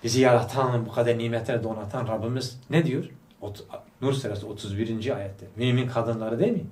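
Fervent and fairly quick, a man with a medium, slightly mellow voice gives a religious study talk in a school study hall, throwing out rhetorical questions and urging the gathering to answer aloud. The distant mic picks him up in an echoey room.

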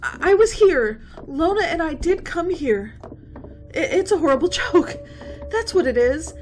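A woman's voice: extremely high pitch, sing-song, measured pace, darkish tone, soft background music, full character voice. A woman playing a frightened, pleading college girl in a radio horror drama, stammering and tearful. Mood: hysterical. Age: young adult.

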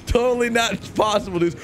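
A man's voice: very high voice, measured pace. American man gaming, music behind him. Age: young adult. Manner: animated, joking. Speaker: gaming streamer role-playing a police officer. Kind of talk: casual game commentary and improvised roleplay. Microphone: headset microphone, close.

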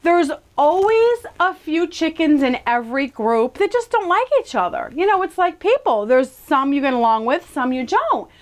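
A woman's voice: high-pitched, very animated, normal speed, few pauses, no echo. A middle-aged woman giving a casual, hands-on demonstration, emphatic and repeating words to drive points home. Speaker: homesteader and vlog host. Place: outdoors, in an open wooden chicken coop. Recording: outdoor ambient noise. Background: outdoor ambience.

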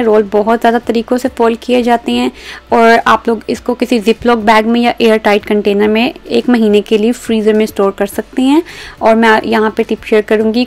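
In a recipe video voice-over, a female cooking show host explains each step and speaks directly to viewers. Her voice is a little high with a darkish tone.

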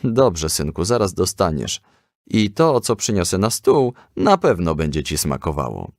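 A man voicing a calm, firm, moralizing mother in a children's story. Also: sits low, unhurried, no room sound, clean studio sound, heavily acted. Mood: reassuring.

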